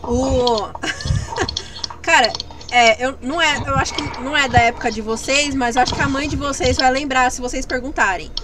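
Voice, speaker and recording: A woman co-hosting a casual livestream in Brazilian Portuguese, talkative and quick to giggle. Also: high voice, background noise. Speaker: co-host. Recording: stream audio with clear music behind.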